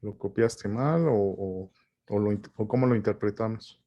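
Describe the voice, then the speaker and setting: A man's voice: on the low side, dull audio. A man with a Mexican Spanish accent, a professor questioning a student over a video call and closing a seminar. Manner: probing, measured. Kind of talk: academic questioning and closing remarks.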